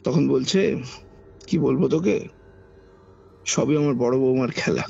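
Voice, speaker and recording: On a podcast, a man with a Kolkata Bengali accent slowly recounts his own eerie experience in a medium-pitched, dark, husky and gravelly voice. His ghost story is conversational and dramatic, with repeated phrases for emphasis. The audio is dull and lo-fi, under background music.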